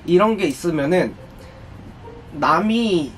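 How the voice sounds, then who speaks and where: A young man chatting casually and telling anecdotes in an animated way, acting out quotes as he goes. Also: fairly high pitch, takes it slowly, rough recording. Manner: animated storytelling with acted-out quotes. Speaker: vlogger. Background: music.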